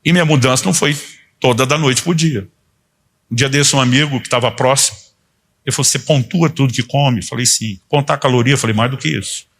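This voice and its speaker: A man's voice: medium pitch, fast talker, a bit bright. A man in his fifties, a pastor giving a conversational sermon and acting out quoted dialogue as he tells stories. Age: 50s.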